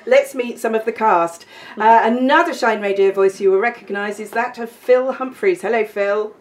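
A woman's voice: on the high side, moderate pace. A chatty woman radio presenter and play director, interviewing and laughing easily. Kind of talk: casual interviewing.

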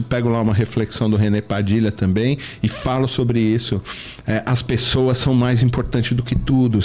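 A middle-aged man co-hosting a casual film chat, talking earnestly in a preacherly way and acting out bits of dialogue. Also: a little mellow. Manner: earnest, preacherly, reenacts dialogue with shifting pitch. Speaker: co-host of a film chat show.

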